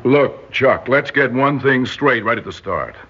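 A man's voice: mid-range voice, expressive, unhurried, bright, forceful tone, faint music behind. An actor playing a bossy male spy contact who runs the operation, speaking in a firm, scolding way, in a 1960s radio drama. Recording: dull lo-fi old radio recording.

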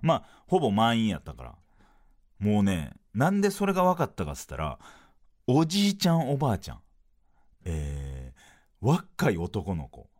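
A man with a Kansai accent, hosting a podcast and telling a story in a casual, animated way. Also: moderate pace. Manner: animated, sing-song delivery with swooping pitch. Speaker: podcast host, comedian.

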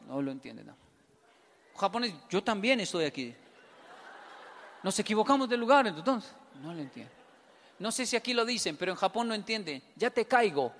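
Colombian guy telling funny stories, acts out the dialogue, highish voice, big hall echo. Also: a little hiss or hum. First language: Spanish. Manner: animated storytelling, acts out both sides of dialogues. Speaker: speaker. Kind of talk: humorous talk to an audience. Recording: long hall reverb.

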